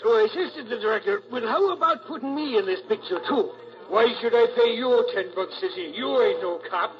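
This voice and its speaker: A man's voice: very high-pitched, expressive, fairly quick, faint music behind. A man playing a boastful, dim-witted American city cop with blustering slang in 1940s radio style. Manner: blustering, ungrammatical tough-guy slang. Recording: muffled 1940s radio recording.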